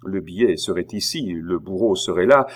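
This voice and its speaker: A frightened, flustered jeweler, as a male narrator puts him on stammers and pleads, his low voice shaking with fear. He talks slowly and hesitantly. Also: lively intonation. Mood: desperate.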